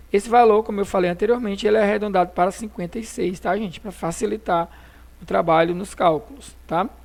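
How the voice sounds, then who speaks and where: Talking at a fairly quick pace, a woman has a plain, everyday voice. Her pitch is medium, with ordinary pitch variation. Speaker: chemistry teacher. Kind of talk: recorded lesson review.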